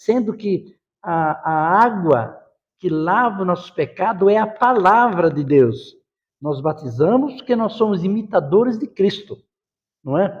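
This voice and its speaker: Lively intonation carries this fairly slow speech. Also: man, high pitch for a man. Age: 60s. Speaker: church elder. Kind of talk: casual interview. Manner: halting.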